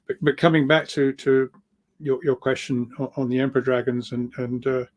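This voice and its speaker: A man's voice: medium pitch, little pitch movement, moderate pace. A man speaking as an interview guest, explaining at length in an earnest, enthusiastic way, often repeating words and restarting.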